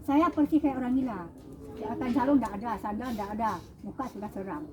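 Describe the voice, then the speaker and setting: An older woman telling what she saw as an eyewitness, animated and acting out the cries and calls of others. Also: a little high, fast talker. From Aceh, Indonesia. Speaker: tsunami eyewitness speaking to visitors. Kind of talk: emotional eyewitness storytelling. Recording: crowd of listeners around. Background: crowd.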